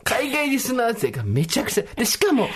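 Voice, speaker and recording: Lively, fast-talking woman podcast host. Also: on the high side, husky. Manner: animated, acts out quoted voices with laughter. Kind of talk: casual chat.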